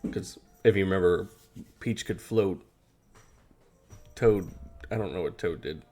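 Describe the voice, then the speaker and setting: A man's voice: sits low, measured pace, warm tone, faint music behind. A man chatting casually about cartoons and games, with casual swearing. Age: adult. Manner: casual, profane. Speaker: podcast host.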